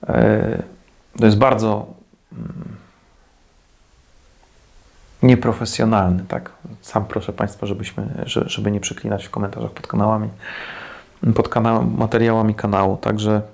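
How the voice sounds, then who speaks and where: A man's voice: fairly low pitch, little pitch movement, unhurried, creaky, pauses often, a little mellow. A man in his forties from Poland, giving scornful, sarcastic critical commentary to camera from a small indoor room. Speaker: defense commentator. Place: small indoor room, plain white wall.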